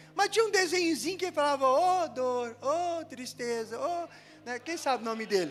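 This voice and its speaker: Noticeable background noise sits behind a man with an extremely high pitch. His tone is animated, with lively intonation at a moderate pace. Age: 60s. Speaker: pastor. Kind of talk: sermon.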